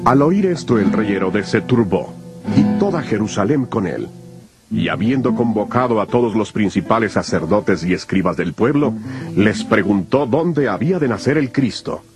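A man with a lowish voice reads scripture as a narrator, solemn and measured. His intonation is lively, and music plays clearly behind him. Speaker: Bible narrator.

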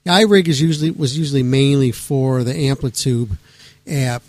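A male radio host in loose late-night chat, rambling and excitable, with casual swearing and lots of restarts. His voice sits at a middle pitch. The studio sound is close and dry, with no room echo. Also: moderate pace.

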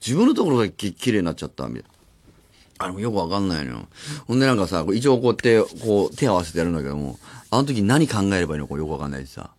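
A man in his forties, a radio host, talking in rambling casual chat with animated acted-out asides, in a studio. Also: sits low, rapid-fire. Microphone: studio microphone.

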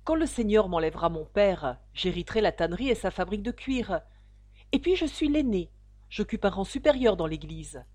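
A woman reading the part of a self-righteous young male Mormon elder, with a loud, emphatic delivery. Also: medium pitch, lively intonation, moderate pace, close to an everyday voice. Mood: pompous.

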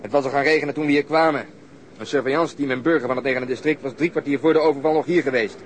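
A man's voice: medium pitch, fairly even intonation, rapid-fire, slight background noise, natural voice. A man playing a talkative, cynical policeman who grumbles drily in a naturalistic radio drama. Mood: matter-of-fact, grumbling.

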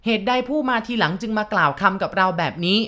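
A woman voicing a drunk, hot-headed male newspaper reporter who declaims loudly and slowly. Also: medium pitch, pitched above the performer's own voice. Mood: aggrieved. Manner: loud, slow declaiming.

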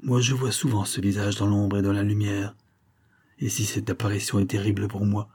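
A man's voice: medium pitch, normal speed, dark tone, slightly rough, pitched above the performer's own voice, natural voice. A man voicing a defiant young gypsy woman. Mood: low menacing. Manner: menacing prophetic taunting.

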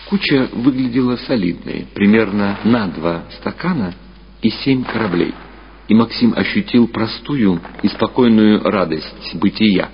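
Low-voiced man narrating over music. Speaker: audiobook narrator. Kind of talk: dramatic literary narration. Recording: muffled radio-style sound, music behind. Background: clear background music.

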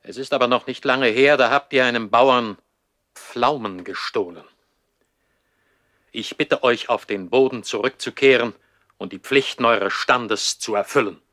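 A man's voice: mid-range voice, unhurried, sharp tone, no echo, clean studio sound. An actor playing a stern, formal baron and disapproving father in a German radio play from the 1960s. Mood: stern, reproachful. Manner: formal, admonishing, stiffly dignified.

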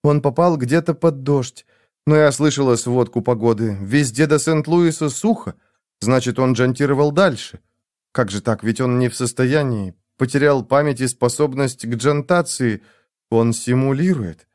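A man voicing a lonely, high-strung young woman who pleads and frets. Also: normal speed, darkish tone, no echo, clean studio sound, lightly acted.

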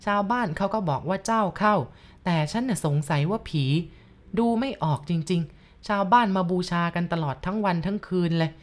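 A woman voicing a weary, worried old village uncle who grumbles slowly. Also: medium pitch, close to an everyday voice. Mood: grumbling. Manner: slow, grumbling.

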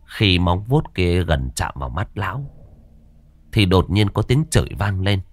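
A man narrating a horror story in an expressive, suspenseful way. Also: sits low, measured pace.

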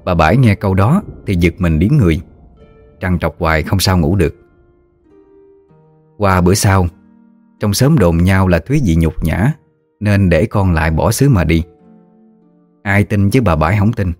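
Very deep male storyteller, somber ghost-story narration over faint music. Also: animated, moderate pace, pauses often, darkish tone.

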